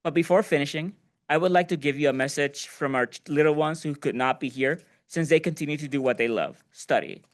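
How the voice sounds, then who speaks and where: A man's voice: on the high side, a little fast. A man reading out a translated public speech as an interpreter.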